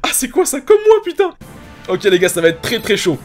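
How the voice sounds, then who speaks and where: A man giving excited gameplay commentary, hyped and swearing casually as he talks to his viewers. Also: high voice, fast, soft background music. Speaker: gaming YouTuber. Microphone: facecam setup.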